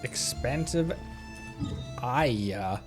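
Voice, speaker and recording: A man's voice: medium pitch, lively intonation, extremely slow. A man streaming a game, giving casual, playful, rambling commentary. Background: game music.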